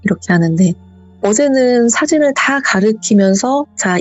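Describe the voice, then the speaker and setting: A woman's voice: medium pitch, moderate pace, a little mellow, husky, highs cut off, faint music behind. A woman hosting a horror radio show, retelling a listener's true ghost story in a conversational way. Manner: conversational storytelling, acting out the quotes.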